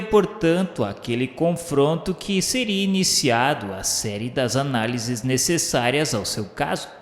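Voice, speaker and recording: A man narrates a radio drama in solemn, literary phrasing. His mid-pitched voice rings with heavy echo and a long reverberant tail, with music playing behind it. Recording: echoing, reverberant hall sound with music. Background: background music.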